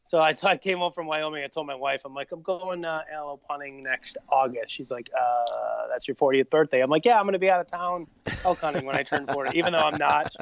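Gravelly-voiced man in his late thirties. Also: on the high side, fairly even intonation, quick pace, no room sound. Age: 30s. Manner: easygoing, rambling with frequent fillers. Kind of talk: casual chat.

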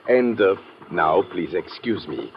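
An actor playing a smooth, flowery, romantic Egyptian gentleman with courtly, ornate manners in a 1950s radio drama. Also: low-pitched, lively intonation, slow, exaggerated voice. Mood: suave, romantic. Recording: muffled, noisy old radio recording.

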